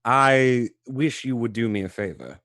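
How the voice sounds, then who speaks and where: A man playing a worried, polite young gentleman in a live radio play, formal and delicate in manner. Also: mid-range voice, a little slow, dry recording, studio quality, natural voice. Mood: hesitant, grave.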